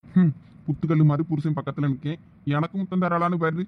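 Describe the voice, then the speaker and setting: A man's voice: on the high side, fairly even intonation, fast, slight background noise, lightly acted. A man voicing a devoted, anxious young husband in a cartoon, muttering grumbling asides in a Thoothukudi Tamil accent. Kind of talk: cartoon voice acting. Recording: dull lo-fi audio.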